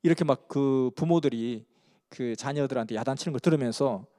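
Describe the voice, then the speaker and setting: Guy preaching, earnest storytelling, mellow low tone, big hall echo. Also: fairly quick. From Busan, South Korea. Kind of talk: sermon storytelling. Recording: long hall reverb.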